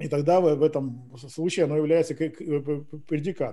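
A dark, mellow tone at a moderate pace. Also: man. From former Soviet Union. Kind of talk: interview answers, lecture-like explanation.

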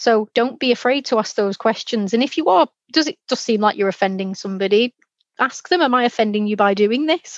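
In an unremarkable speaking voice, a woman with a fairly high pitch and ordinary pitch variation talks at a fairly quick pace against a quiet background, the sound dry and close with no echo. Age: 30s. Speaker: sales engineer. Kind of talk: interview.

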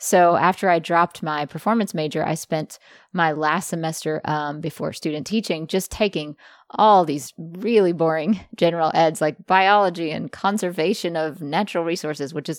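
On a very clean recording with a silent background, a woman speaks in an ordinary speaking voice, fairly low in pitch, with ordinary pitch variation. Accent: American. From US South, Jackson, Mississippi. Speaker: singer-songwriter and author. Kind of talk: casual interview chat.

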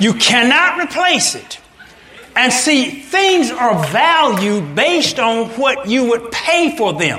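With music in the background, a man uses a raised, projected voice at an extremely high pitch, swinging very widely in pitch and speaking very slowly. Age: 60s. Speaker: pastor and businessman. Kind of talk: sermon-style talk to a youth audience. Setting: church hall with live audience. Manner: animated.

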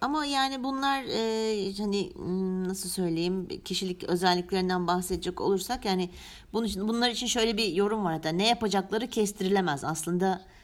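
At a fairly quick pace, a woman speaks at a medium pitch with ordinary variation in a very clean recording with a silent background. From Turkey. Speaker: podcast co-host. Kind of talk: casual chat.

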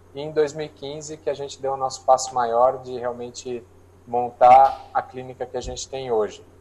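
A man speaks at a medium pitch and a moderate pace. His intonation is flat and monotone, but his loudness swings widely. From Brazil, Campinas (São Paulo state). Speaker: plastic surgeon. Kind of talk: interview. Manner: halting, with frequent repetitions.

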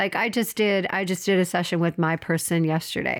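A woman has a normal speaking voice, fairly low in pitch, with fairly even intonation. The recording is very clean, with a silent background. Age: 50s. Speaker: podcast co-host, inner healing practitioner. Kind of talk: casual chat.

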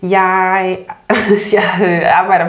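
A woman with a medium pitch is heard amid audible room echo and noticeable background noise. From Denmark, north Zealand (Frederiksværk area). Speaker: art photographer. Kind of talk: interview. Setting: studio.

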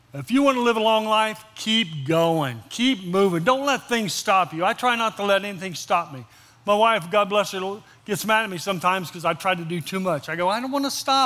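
Lively intonation marks this raised, projected voice, whose tone is bright and sharp. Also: man. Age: 70s. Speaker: pastor. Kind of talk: sermon. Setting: church.

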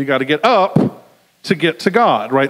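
A man with a slight Southern US accent talks in a fairly high voice. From US South. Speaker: pastor and college professor. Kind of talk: sermon. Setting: church.

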